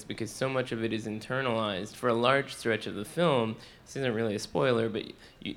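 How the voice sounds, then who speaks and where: A gravelly, low-voiced man interviews guests in loose, conversational phrasing. He sounds easygoing and talks over a faint hum of background noise. Every question is phrased loosely, with fillers like "sort of.". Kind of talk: panel interview.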